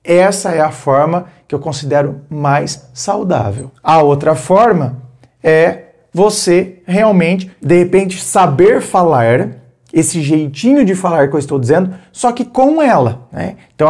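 A man's voice: on the high side, a little slow, a little mellow. A man with a Brazilian accent giving relationship advice in a casual vlog, talking directly to his viewers in a conversational way.

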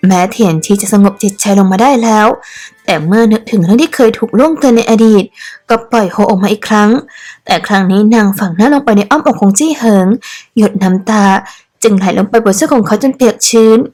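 A woman narrating an audio novel in a calm, even reading voice. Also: mid-range voice. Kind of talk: scripted narration.

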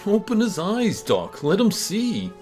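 Man playing a high, stammering prank accomplice. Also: wildly swooping pitch, measured pace, a little mellow, soft background music, heavily acted. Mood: urgent. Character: nervous, dim male accomplice in a prank. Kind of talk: dramatized horror story reading.

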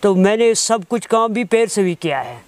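A young man with a Kashmiri accent answering interview questions earnestly, in halting, repetitive phrases. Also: high voice, expressive, dry recording. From Kashmir, India. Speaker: interviewee, mobile phone mechanic. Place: outdoors on a lawn beside a wooden house.

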